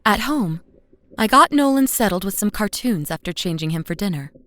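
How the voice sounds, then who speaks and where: Young mom narrator, played by an actress: medium pitch, fond yet anxious, conversational, expressive audio drama storytelling. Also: female voice, moderate pace, a little hiss or hum, lightly acted. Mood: fond, relieved. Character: loving, anxious young mother narrating her memories. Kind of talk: first-person scripted audio drama narration. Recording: faint music behind narration.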